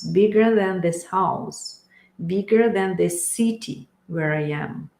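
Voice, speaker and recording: Slow, gravelly-voiced woman in an echoey room. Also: on the low side. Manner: slow, calm, pausing often with fillers. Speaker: spiritual teacher. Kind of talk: guided meditation talk. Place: room in a house. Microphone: webcam or phone camera.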